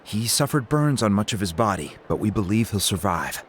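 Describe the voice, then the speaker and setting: A thoughtful tribal chief in a video game. The voice is low, with lively melody, and explains things formally and reassuringly. A faint ambient noise sits behind. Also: male voice, moderate pace. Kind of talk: video game character dialogue.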